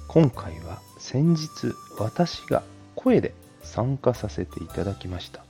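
A man's voice: lowish voice, warm tone. A man hosting an audio show, making announcements and thanking listeners in polite, courteous language with chatty asides. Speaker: audio channel host and amateur voice performer.

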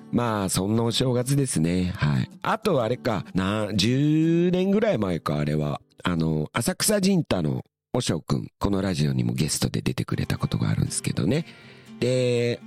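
A middle-aged man with a very deep voice that still swings widely in pitch, hosting a radio show. He tells loose, rambling stories and chuckles between them. Faint music plays under his talk. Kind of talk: casual radio storytelling.

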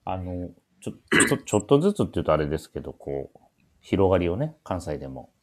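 A man's voice: low-pitched, big pitch swings, fairly quick. A man hosting a casual radio-style talk, bantering and teasing his co-hosts. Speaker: show host, MC.

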